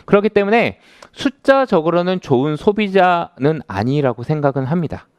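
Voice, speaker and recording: Animated lecturing man in his thirties. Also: on the high side, moderate pace, clean tone, no room sound. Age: 30s. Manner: conversational, asks the audience questions. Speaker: author giving a lecture. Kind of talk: lecture to a live audience.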